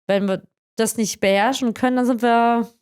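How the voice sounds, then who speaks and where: A woman's voice: on the high side, steady tone, moderate pace, darkish tone, clean tone. A woman interviewing a colleague in a casual chat, talking freely and often ending with tag questions. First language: Croatian. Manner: chatty, frequent tag questions "ne?".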